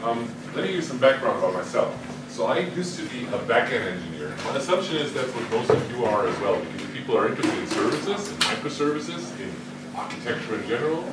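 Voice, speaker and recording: Guy giving a conference talk, lots of questions and restarts, far off in a booming hall, noisy. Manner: questioning, lively, self-correcting restarts. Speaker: conference speaker. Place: large conference room. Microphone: no microphone, distant recording.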